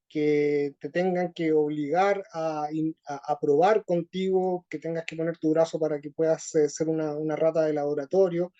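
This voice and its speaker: A man with a Chilean accent answering interview questions slowly, with many pauses and fillers. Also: fairly high pitch, warm tone, muffled recording. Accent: Chilean Spanish. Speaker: interview guest. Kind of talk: conversational interview.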